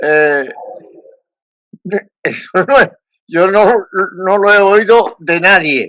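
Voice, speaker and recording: Bright and sharp in tone, a man's high voice moves at a very slow pace with long, frequent pauses, very even loudness and ordinary pitch variation. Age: 90s. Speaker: theologian. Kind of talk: interview. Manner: halting.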